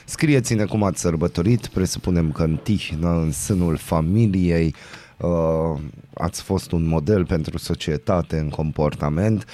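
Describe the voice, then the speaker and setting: A man's voice: low voice, dark tone. A man co-hosting a morning radio show, telling an indignant story in casual banter.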